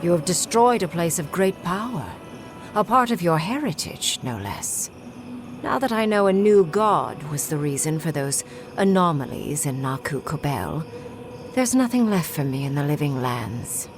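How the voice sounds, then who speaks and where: An actress playing a haughty, jaded archmage in a video game, speaking in an imperious, dryly disdainful way. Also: female voice, sits low, sing-song, unhurried, music in the background, heavily acted. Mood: haughty disappointment. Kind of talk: video game character acting.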